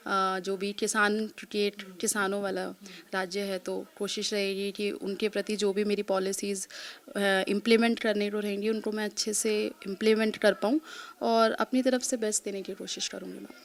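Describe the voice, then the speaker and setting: A woman's voice: mid-range voice, flat delivery, moderate pace. A woman in her thirties from Delhi, answering an interviewer politely, often saying ma'am and mixing English words into her talk. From Delhi, India. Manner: polite, keeps calling the reporter ma'am, mixes English words in. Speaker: interviewee, exam topper. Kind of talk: answering a reporter's interview questions.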